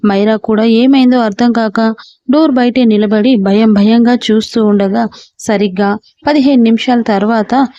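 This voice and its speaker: A woman storyteller giving a steady scripted story narration. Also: on the high side, moderate pace, dry recording, muffled recording.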